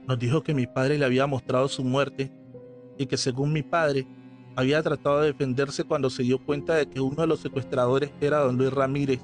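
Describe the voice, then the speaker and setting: A man reading a scripted horror story aloud as narrator, in a slow, measured storytelling manner. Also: medium pitch, level tone. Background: faint background music.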